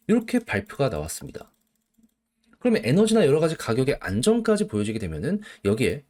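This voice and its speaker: A man giving solo stock market commentary, explaining things in an animated way and asking rhetorical questions. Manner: animated, rhetorical questions, emphatic pitch swings.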